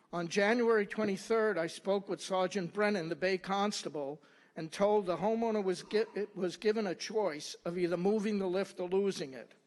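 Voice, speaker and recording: A man with a high pitch, fairly even intonation and a moderate pace, with hardly any pauses. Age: 70s. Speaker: resident speaking at public comment, war veteran. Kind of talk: public comment statement, read from prepared text. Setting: town board meeting.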